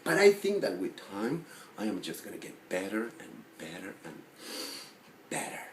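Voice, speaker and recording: A man acts out a neurotic man of forty in a dramatic monologue. He is self-deprecating and lovelorn, stumbling and rambling through his thoughts with a very animated pitch. The room is echoey, with faint noise behind him. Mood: subdued, musing. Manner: halting, rambling, full of fillers and restarts. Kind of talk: dramatic film monologue acting. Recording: roomy echo with faint background noise.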